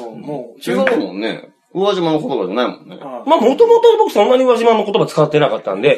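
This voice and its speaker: With a Kansai accent, a man speaks at a very fast pace. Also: big swings in loudness. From Uwajima, Ehime. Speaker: radio show host, comedian.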